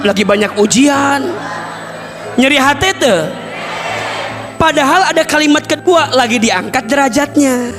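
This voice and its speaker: A Sundanese-accented preacher gives a lively sermon to a mostly female audience in a very high voice. He is animated, acts out everyday conversations, and bursts into loud, emphatic lines.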